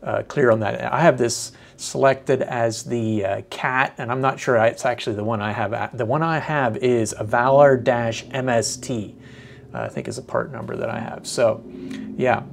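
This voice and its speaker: A man giving a casual, unscripted product demonstration, speaking haltingly as he thinks aloud. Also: medium pitch, creaky.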